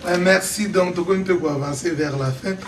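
A man's voice: high voice, moderate pace. A man interviewing a singer, asking long rambling questions. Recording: echoey room, distant mic, loud noise.

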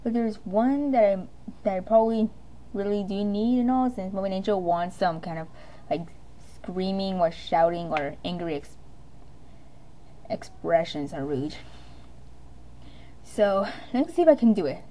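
A woman's voice: medium pitch, unhurried, long pauses, dark tone, poor audio. A woman talking casually and a little hesitantly as an amateur voice actor introducing her audition.

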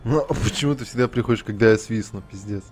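Man, low voice, casual game commentary, crude, mocking, heavy swearing, faint background music. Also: fast talker, darkish tone. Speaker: gamer commenting on playthrough.

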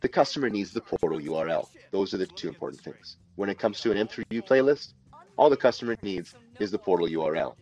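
A man with a low-pitched voice talks through a screen-recorded tutorial. He sounds unscripted and instructional, laying out each step deliberately as he goes. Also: lively intonation, darkish tone, breathy edge, highs cut off. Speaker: tutorial presenter. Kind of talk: unscripted step-by-step software walkthrough.

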